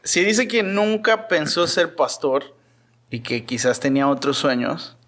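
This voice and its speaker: Higher-voiced male podcast interviewer. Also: fairly even intonation, unhurried, a bit bright. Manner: brief affirmations, stammered restarts. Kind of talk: interview questions with short backchannels.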